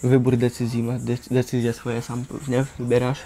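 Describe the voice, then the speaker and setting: A man's voice: mid-range voice, monotone, moderate pace, mellow, soft background music. A young man chatting casually in slangy, hesitant phrases that often end in tag questions.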